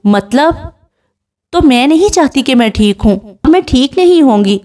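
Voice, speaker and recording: A woman's voice: sits high, expressive, dark tone. A woman voicing a sick young woman in a hospital bed, tearful and accusing in a raised voice.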